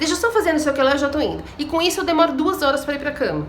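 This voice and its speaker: A woman at a high pitch with lively intonation and a very fast pace, amid noticeable background noise and audible room echo. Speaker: vlogger recovering from burnout. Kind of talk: casual vlog monologue. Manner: talkative.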